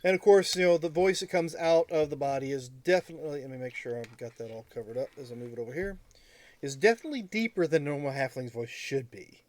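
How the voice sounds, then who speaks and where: Casual game master, higher-pitched man. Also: darkish tone. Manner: casual, halting, swearing. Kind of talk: improvised tabletop game narration.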